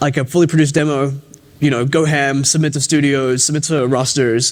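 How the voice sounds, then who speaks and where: A man's fairly high voice at a fairly quick pace, monotone and flat in intonation. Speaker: voice actor giving a conference talk. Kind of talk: conference talk. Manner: casual, filler-heavy.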